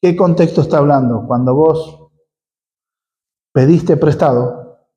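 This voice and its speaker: A man's voice: a little high, takes it slowly, warm tone, muffled recording. A male pastor with a Rioplatense Argentine accent, teaching an expository sermon in church, asking rhetorical questions as he explains. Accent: Rioplatense Spanish.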